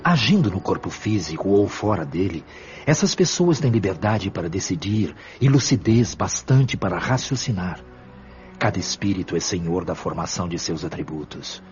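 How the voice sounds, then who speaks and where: Man acting a deep-voiced, calm spirit mentor. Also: soft background music. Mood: calm, instructive. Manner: measured, didactic, formal diction. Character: calm wise male spirit mentor, patient and firm. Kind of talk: audio drama dialogue. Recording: dull lo-fi audio.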